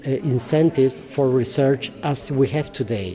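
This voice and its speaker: A man at a moderate pace, fairly even intonation, noticeable background noise. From Paraguay. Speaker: ambassador. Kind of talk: interview. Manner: halting.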